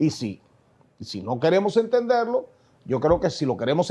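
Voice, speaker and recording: A man speaks against a quiet background. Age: 60s. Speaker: politician. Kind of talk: interview.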